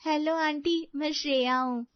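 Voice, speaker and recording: This is a careless young bride, voiced by a woman in a cartoon story. She answers innocently with a whiny edge in a high voice. The sound is dry and a little dull. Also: steady tone, a little slow, no echo. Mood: naive. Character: careless, naive young daughter-in-law. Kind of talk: Hindi cartoon story voice acting.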